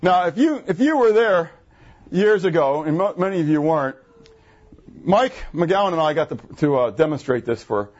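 A man preaching a sermon to his congregation, animated, asking the room questions, with jumps in pitch when he gets excited. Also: normal speed, lo-fi sound. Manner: jumpy pitch, bursts high when excited. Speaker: pastor. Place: church assembly room.

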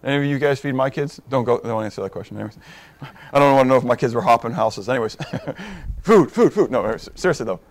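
A middle-aged man preaching a sermon in a conversational way, asking the congregation questions and moving from hushed asides to emphatic points. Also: mid-range voice, lively intonation, fast. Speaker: pastor.

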